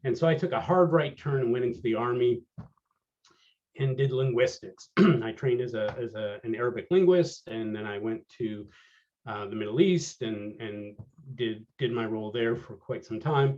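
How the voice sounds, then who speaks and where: A man's voice: medium pitch, moderate pace. Wry, rambling man in his fifties. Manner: wry and rambling, trails off quietly. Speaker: panel speaker, business manager. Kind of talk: casual panel talk over a video call. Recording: dull lo-fi call audio.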